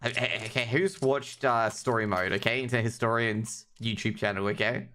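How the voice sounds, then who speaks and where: Man, medium pitch, casual game commentator, informal banter with chat, joking manner, noisy background with clicks. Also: steady tone, normal speed, bright, forceful tone. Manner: jokey, informal, chatty with viewers. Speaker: esports streamer and match commentator. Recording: clear background noise with clicks.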